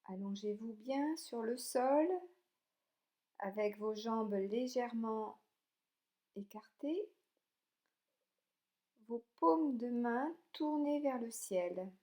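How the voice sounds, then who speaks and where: A woman leading a guided yoga relaxation, speaking calmly and soothingly in short, gentle instructions with pauses between them. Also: a little high. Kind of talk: slow guided meditation narration.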